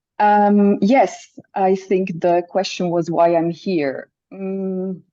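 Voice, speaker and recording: At a very slow pace, a woman with a non-native accent speaks at a medium pitch in a dark, mellow tone and fairly even intonation. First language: German. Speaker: subscriber on call. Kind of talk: casual group discussion. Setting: video call.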